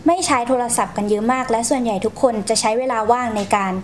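A woman's voice: a little high, quick pace, a little hiss or hum. A young woman, answering interview questions in a polite, explanatory manner as she recounts her experiences. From Thailand. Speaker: guest storyteller.

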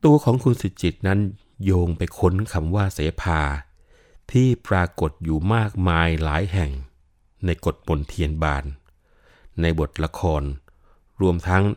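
Deep older man explaining classical literature. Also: unhurried, a little mellow. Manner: patient, explanatory, with frequent polite particles. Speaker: lecturer on Thai classical literature. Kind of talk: explanatory talk.

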